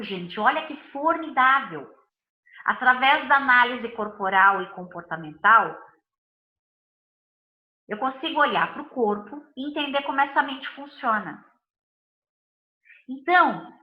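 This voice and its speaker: Bright-voiced Brazilian woman teaching live. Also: sits high, echoey room, poor audio. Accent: Brazilian Portuguese. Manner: emphatic, repetitive lists of phrases. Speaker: body and behavior analyst. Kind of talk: live online talk to viewers.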